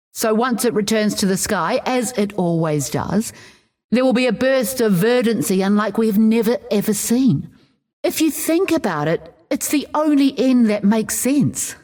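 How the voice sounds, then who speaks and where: A woman playing a proud, opinionated tribal warrior, recounting her people's myths in a measured, assured way for a game. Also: medium pitch, a little mellow, natural voice. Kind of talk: scripted in-character lore narration.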